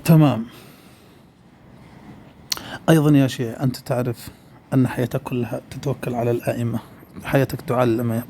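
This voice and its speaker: A man giving a polemical monologue at a quick clip. His voice is dark and low in brightness, and his pitch stays flat and level throughout. He keeps turning to address the listener directly, with faint noise underneath. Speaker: religious polemicist.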